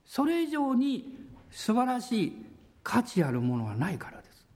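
A man pastor preaching a sermon in a church, with drawn-out pauses and a voice that sometimes drops to a near whisper. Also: very high-pitched, wildly swooping pitch, darkish tone.

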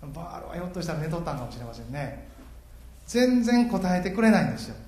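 A man preaching a sermon as pastor in a church, animated and joking with the congregation. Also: a little high, fast, roomy sound.

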